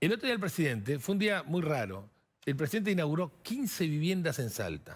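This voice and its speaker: A man's fairly high voice at a fairly quick pace, with very wide pitch swings and very even loudness. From Argentina. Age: 50s. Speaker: businessman; guest. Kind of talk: casual chat. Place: studio. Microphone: headset.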